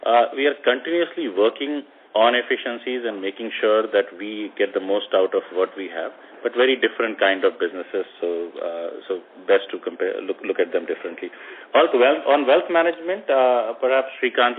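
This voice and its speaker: A man, an executive giving measured answers on an earnings call. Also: on the low side, breathy edge. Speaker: company executive. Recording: phone line.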